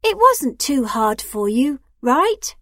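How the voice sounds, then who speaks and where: Actress as a supportive young friend; high and lively voice, slow clear lines, dry studio. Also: female voice, no room sound, exaggerated voice. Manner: clearly enunciated, questioning. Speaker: friend character in a listening test. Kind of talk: scripted exam dialogue.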